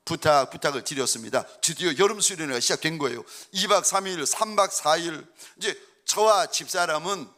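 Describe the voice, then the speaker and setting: Male pastor telling a story in a sermon, bright voice, up and down a lot. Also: a little high. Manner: storytelling, shifting between narration and quoted voices. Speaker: senior pastor. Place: church sanctuary.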